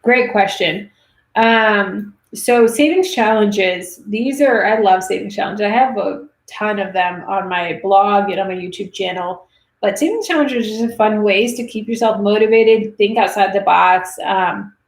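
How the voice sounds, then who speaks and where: A woman in her thirties hosting a casual livestream, chatting and reading viewer comments, her voice going raspy. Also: mid-range voice, measured pace. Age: 30s. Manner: chatty, reads viewer comments, many fillers. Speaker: livestream host answering money questions. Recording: roomy echo.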